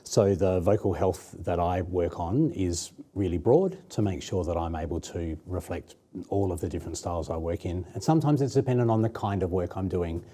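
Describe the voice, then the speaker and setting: A man's voice: low-pitched, normal speed, hardly any pauses, dark tone, slightly rough. A man with an Australian accent, a singer being interviewed, friendly and thoughtful with many ums. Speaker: opera singer guest. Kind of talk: casual interview chat.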